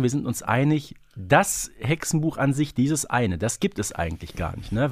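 A man's voice: mid-range voice, dry recording. A man co-hosting a fan podcast, casually thinking aloud as he talks. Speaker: podcast co-host.

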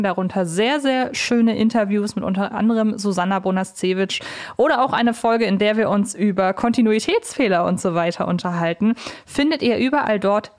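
A woman with a mid-range voice hosts a podcast. She talks informally and at length, speaking straight to her listeners and guest in a conversational interview style. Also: medium pitch. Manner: informal, talkative, addresses listeners directly. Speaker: podcast host. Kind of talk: chatty podcast introduction and interview.

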